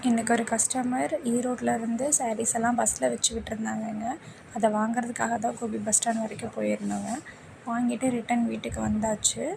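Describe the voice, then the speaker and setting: Female vlog narrator, slightly high pitch with heavy creak, polite and explanatory, noisy home recording. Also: flat delivery, a little fast. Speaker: small-business designer, vlogger. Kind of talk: scripted-sounding vlog voice-over.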